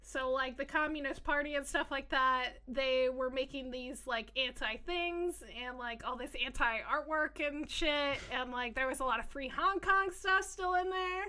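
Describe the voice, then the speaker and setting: Bright high-voiced young woman, playful. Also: unhurried, hardly any pauses. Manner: profane, playful, excitable. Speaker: podcast co-host. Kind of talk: casual chat.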